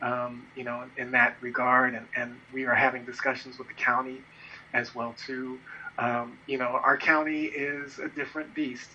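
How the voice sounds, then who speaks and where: Over noticeable background noise, a man speaks at a medium pitch and moderate pace in a monotone, flat delivery. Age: 40s. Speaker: newspaper publisher. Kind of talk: interview.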